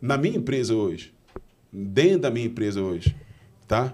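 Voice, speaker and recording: A man speaks at a moderate pace. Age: 40s. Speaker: founder of a ride-hailing app, former homeless man. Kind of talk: interview, life story.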